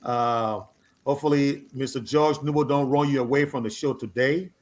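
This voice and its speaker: A man's voice: mid-range voice, steady tone, moderate pace. A man co-hosting a live radio and TV talk show, genially introducing panelists with some light teasing.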